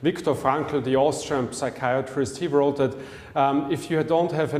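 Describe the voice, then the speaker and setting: A man with a German accent, fairly high in pitch, at a moderate pace with fairly even intonation, amid noticeable background noise and audible room echo. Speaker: author and economist. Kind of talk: interview. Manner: halting, many fillers.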